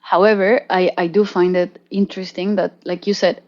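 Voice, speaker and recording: A woman's voice: on the low side, little pitch movement, moderate pace, darkish tone, dull audio. A woman from Colombia, a musician and native Spanish speaker, chatting casually in an interview and laughing easily. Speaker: musician guest.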